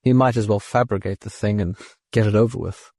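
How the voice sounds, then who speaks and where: A man reading a science fiction short story as an audiobook narrator, in a measured, expressive literary manner. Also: lowish voice, no room sound, clean studio sound.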